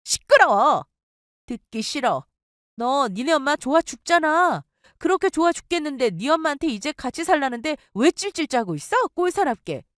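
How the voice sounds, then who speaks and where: A woman voicing a furious wife who scolds with sharp contempt. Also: high voice, no echo, clean studio sound.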